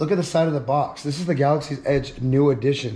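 A man talks at a fairly quick pace in a somewhat breathy voice. His tone is dark and mellow, his intonation fairly even. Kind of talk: casual vlog chat. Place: home room.

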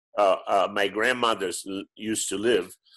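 Here a man speaks with a Portuguese accent. He keeps a moderate pace over a quiet background. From Brazil, Rio de Janeiro. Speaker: recording engineer and producer; guest. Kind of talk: casual interview. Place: home room. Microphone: video call.

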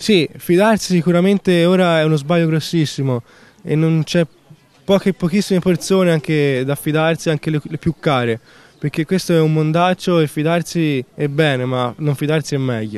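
A man with an ordinary speaking voice talks at a moderate pace, his pitch fairly high with ordinary variation. The sound is dry with no echo. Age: young. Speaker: young cyclist. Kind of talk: interview. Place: garden.

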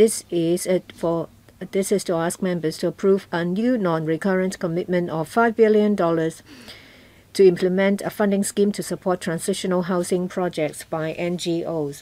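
A woman's dark, mellow tone with fairly even intonation and a fairly slow pace. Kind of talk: formal meeting chairing. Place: hall. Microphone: podium.

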